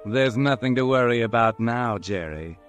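A man's voice: medium pitch, lively intonation, moderate pace, faint music behind, lightly acted. An American man playing a sardonic, all-knowing 1940s radio mystery narrator who speaks with mock-soothing irony straight to the guilty character. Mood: sly, ironic. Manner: insinuating, mock-soothing, ironic.

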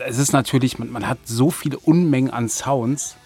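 Casual, halting man in an interview. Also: medium pitch, a little mellow, slightly rough, soft background music. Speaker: interview guest, music producer of an audio drama.

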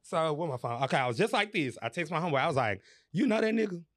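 Man, podcast host, casual chat, animated and profane, lively swooping pitch. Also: racing. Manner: animated, profane, laughs through the story.

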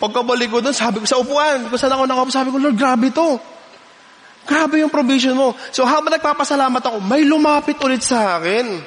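A man, preaching a sermon and telling a personal story in an animated way, often laughing between lines. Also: very high voice, fairly quick, long reverb tail.

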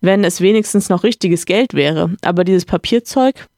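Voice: medium pitch, moderate pace, a little mellow, no echo, clean studio sound, natural voice. A podcaster reading a novel aloud, voicing an agitated, protesting cavalry captain who stammers in a raised voice. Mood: indignant flustered. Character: indignant cavalry captain, flustered older man.

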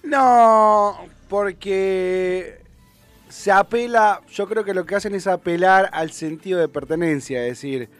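Hesitant Rioplatense radio host, higher-pitched man. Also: slow, fairly bright tone, no echo, faint music behind. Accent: Rioplatense Spanish. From Buenos Aires province, Argentina. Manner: hesitant, restarts and fillers, argumentative. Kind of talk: casual talk radio chat.

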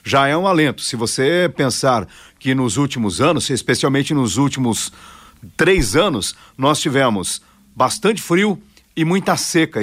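A man giving measured, explanatory commentary in a conversational radio news style. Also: mid-range voice, fairly bright tone.

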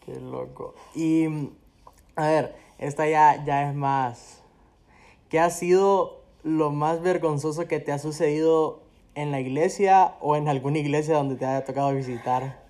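A man's voice: on the high side, fairly even intonation, a little slow, a little mellow. A man interviewing a guest in a casual chat, with frequent laughter and short reactions.

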